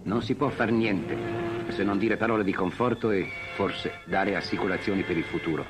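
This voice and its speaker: A man's voice: lowish voice, normal speed. A man narrating an old 1950s newsreel in a solemn, dramatic declaiming voice over music. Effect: old newsreel soundtrack.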